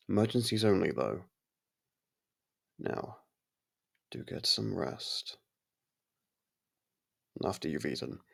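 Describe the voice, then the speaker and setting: A courteous but possessive vampire lord, played by a man for an ASMR roleplay. The voice sits low and husky, thick with gravelly fry. He speaks in formal, measured phrases with quiet command. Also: heavily acted. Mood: gently commanding. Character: courteous, possessive vampire manor lord softening toward a human.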